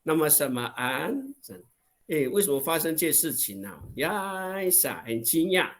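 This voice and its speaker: A video-call language lesson is led by a man whose Taiwanese Mandarin accent comes through clearly and whose voice leans high. Exclamations get acted out in a drawn-out, expressive way.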